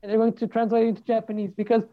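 A woman's voice: on the high side, level tone, very fast. Chatty woman translator, lo-fi sound. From Portugal. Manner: chatty, many fillers and restarts, laughs easily. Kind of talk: casual podcast chat.

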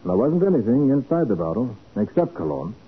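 An actor playing a confident, inquisitive private detective, brisk and authoritative, in a 1940s radio crime drama. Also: male voice, medium pitch, very animated, breathy edge. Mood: intrigued. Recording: noisy, muffled 1940s radio recording.

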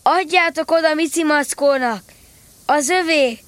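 A woman's voice: high voice, a bit bright, no room sound. A woman playing an eager, affectionate little boy in a radio play, speaking in an earnest, childlike way. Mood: excited, proud.

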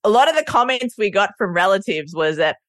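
A woman's voice: medium pitch, brisk, dry recording. A woman from Sri Lanka, raised in Australia, with an Australian accent, telling stories as a podcast guest and acting out what people said. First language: Sinhala. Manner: animated storyteller, laughs often, acts out quotes. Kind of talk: casual interview chat.

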